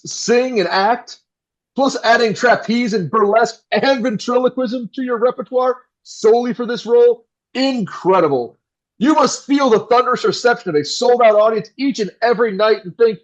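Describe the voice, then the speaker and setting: A man's voice: very high-pitched, muffled recording. A man playing a flustered, melodramatic 1960s New York radio host with theatrical announcer delivery in an audio drama.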